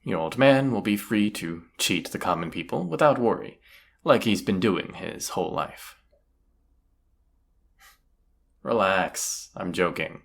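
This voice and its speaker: Man playing a deep, gravelly, roguish bandit leader. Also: lively intonation, normal speed, heavily acted. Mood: persuasive, teasing. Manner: casual, teasing, swaggering, rhetorical tag questions. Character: roguish male bandit leader, cocky, teasing, commanding. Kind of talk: roleplay audio drama acting.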